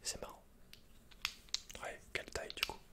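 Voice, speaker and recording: This ASMR clip features a young adult man in the role of a shopkeeper. He talks near the mic, haltingly and with quiet understatement.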